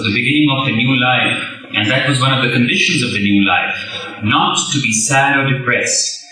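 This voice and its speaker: A man on a panel telling stories, hesitant with many pauses and chuckles, recorded from a distance in a hall. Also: a little high, bright, forceful tone. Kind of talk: storytelling on a panel. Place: hall at a gathering. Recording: echoey distant archival hall recording with faint music.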